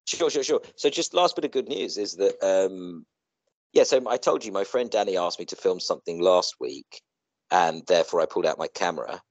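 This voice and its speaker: A middle-aged man with a fairly low voice talks casually on a video call. He rambles and halts, circling back over his own phrases, and the sound is close and dry with little room in it. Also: animated, fairly quick, no echo, dull audio. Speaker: co-host in a two-person online chat.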